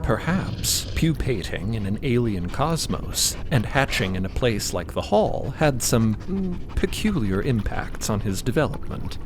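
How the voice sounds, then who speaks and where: A man's voice: mid-range voice, very animated, unhurried, background noise. A man narrating a scripted audio drama in a dramatic storytelling style.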